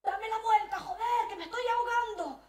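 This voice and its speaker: A woman voicing a desperate, crude, bedridden middle-aged man who shouts in panic, heard from a distance in a roomy hall. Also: very high-pitched, moderate pace, slight background noise, pitched above the performer's own voice. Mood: panicked shouting.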